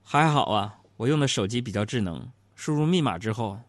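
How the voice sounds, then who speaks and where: The middle-aged radio-style host sounds animated and a little fast, his mid-range voice free of echo. Chatty and teasing, he jokes through funny anecdotes about his marriage on this humorous storytelling show.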